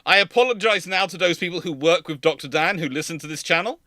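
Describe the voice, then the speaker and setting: A man's voice: a little high, fast talker, pushed and bright, no echo, studio quality. A man hosting a casual live chat, telling stories in a rambling way. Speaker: live stream host.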